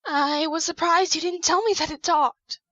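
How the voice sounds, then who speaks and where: A flustered, impulsive young woman played by a woman in an audio drama. Her voice sits very high, and the recording is dry but dull and lo-fi. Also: fairly even intonation, normal speed, a bit bright, no echo. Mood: defensive. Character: flustered, impulsive 24-year-old woman with a new gadget. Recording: muffled, lo-fi home recording.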